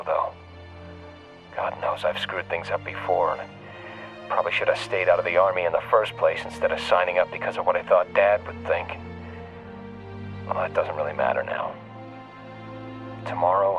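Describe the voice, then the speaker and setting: An actor playing a young male soldier saying goodbye to his mother, quiet and earnest. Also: deep voice, dull audio. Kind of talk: game cutscene, spoken letter home.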